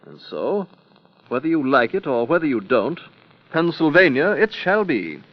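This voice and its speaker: A man's voice: fairly high pitch, sing-song, loud music behind the voice. A stately English king. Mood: regal. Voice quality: measured, proclamatory delivery. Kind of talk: 1930s radio drama. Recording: muffled old radio recording with faint hiss.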